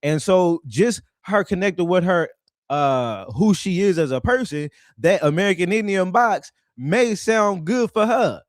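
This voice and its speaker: High-voiced man ranting, laughing. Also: lively intonation, unhurried, no echo, clean studio sound. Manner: profane, laughing, mocking. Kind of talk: casual ranting commentary.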